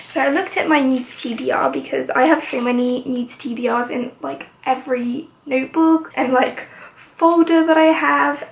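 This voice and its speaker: A chatty woman vlogging from home in a rambling, easygoing way. Her voice sits high and has a gravelly, croaky edge. She often drops into a quiet whisper. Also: low-quality recording. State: slightly croaky voice. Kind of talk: casual chat.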